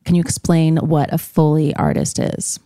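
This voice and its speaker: A woman's voice: low-pitched, sing-song, normal speed, creaky, mellow, dry recording, studio quality. A young woman hosting a podcast, chatting casually and upbeat as she interviews her guests. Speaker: podcast host.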